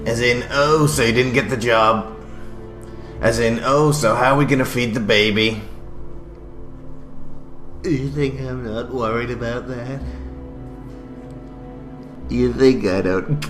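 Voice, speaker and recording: An actor playing an insecure, despairing young husband and failed comedian in a radio drama, stammering and halting. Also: male voice, mid-range voice, steady tone, a bit bright. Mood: defensive. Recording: music behind the voice.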